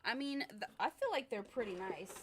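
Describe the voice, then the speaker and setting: A young woman at an average pitch talks casually to her livestream viewers while she draws. She rambles in a relaxed way, uses many fillers and laughs lightly, and keeps answering questions from her audience. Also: normal speed, slight background noise. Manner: chatty, rambling, reads viewer comments aloud. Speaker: art livestreamer.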